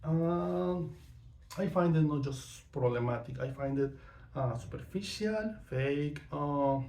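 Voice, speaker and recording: A man from Venezuela speaks English with a Venezuelan accent, his voice gravelly and mellow yet a bit high. He talks in a frank, outspoken way, with plenty of fillers. The recording has an echoey room sound. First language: not English or Spanish. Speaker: vlogger. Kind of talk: casual personal monologue.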